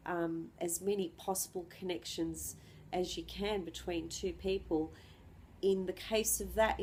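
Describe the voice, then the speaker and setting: A woman astrologer with the flu giving an unscripted lesson, clearing her throat and pausing often with ums and restarts. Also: lowish voice, a little mellow, slight background noise, low-quality recording. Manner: hesitant, many ums and restarts.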